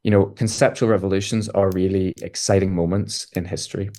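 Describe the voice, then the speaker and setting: A man speaks in a low register as an interview guest. He explains physics in a thoughtful, measured way and picks his words with care. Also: flat delivery, mellow. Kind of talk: casual interview talk.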